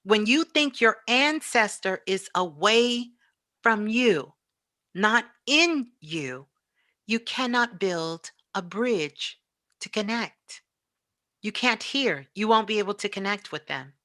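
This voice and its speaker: A woman's voice: mid-range voice, expressive, slow, sharp tone, dry recording, clean studio sound. A woman giving a spiritual motivational talk as a teacher, speaking emphatically and repeating phrases for effect.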